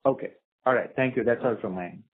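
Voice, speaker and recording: A man's voice: mid-range voice, fast, breathy edge. A man calling in as an analyst to ask questions on an earnings call. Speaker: caller, analyst asking questions. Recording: narrow, radio-like phone line.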